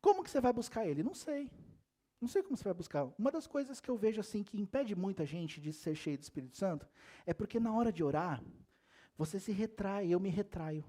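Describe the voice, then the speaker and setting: Lively pastor preaching in a church. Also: male voice, high-pitched, quick pace. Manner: talks straight to the congregation with many rhetorical questions; laughs and jokes while preaching. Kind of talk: lively sermon.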